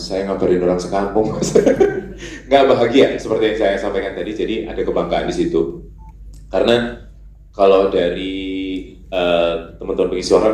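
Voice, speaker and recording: Low mellow voiced guy answering press questions, echoey hall, faint room noise. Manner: earnest, rambling with fillers and asides. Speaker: voice actor for the film.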